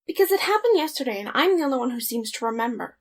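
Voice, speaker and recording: A woman's voice: high voice, big pitch swings, racing, exaggerated voice. A woman playing an exasperated, worn-out young woman in an amateur audio drama. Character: exhausted, exasperated young woman who clones herself.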